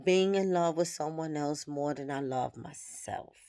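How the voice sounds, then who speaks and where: A woman's voice: low-pitched, a little slow, warm tone. A woman in her thirties talking candidly and reflectively to the camera, swearing freely as she thinks aloud. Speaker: vlogger. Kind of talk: personal reflective monologue.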